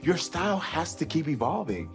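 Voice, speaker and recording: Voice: mid-range voice, big pitch swings, normal speed, vocal fry, faint music behind. An actor playing a chatty, obliging cartoon costume designer.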